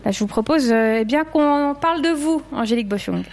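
Woman, radio quiz host, chatty, slightly high voice. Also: expressive, a little mellow. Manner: chatty, leads the game with quick asides. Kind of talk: lively radio quiz hosting.

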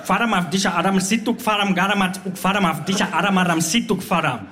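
A man performing spoken word poetry on stage, chanting repetitive lines and strings of invented nonsense words in a steady rhythm. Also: high-pitched, fast.

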